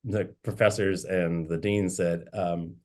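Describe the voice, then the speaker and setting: A man's voice: low voice, steady tone, takes it slowly, a little mellow. A man, a bishop, reflectively telling anecdotes from his life in a conversational interview. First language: English. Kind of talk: interview storytelling.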